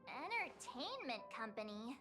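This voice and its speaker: A woman's voice: fairly high pitch, very animated, unhurried, music in the background. An actress voicing a perky, eager, playful teenage girl adventurer in an anime-style video game. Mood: curious. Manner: bubbly, eager.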